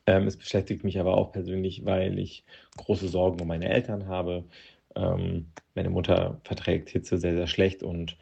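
A man's voice: low voice, vocal fry, darkish tone, husky, highs cut off. A young man whose first language is Russian, giving a hesitant personal account with many filler sounds. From Russian-speaking country. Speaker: interviewee. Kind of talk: personal account answering questions.

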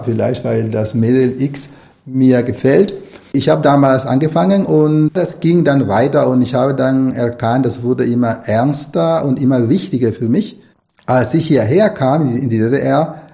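Nicaraguan guy, spanish native, middle-aged, gravelly mellow voice, rambles thoughtfully in an interview. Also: medium pitch. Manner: thoughtful, rambling, many restarts and fillers. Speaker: author and language lecturer. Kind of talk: interview answers.

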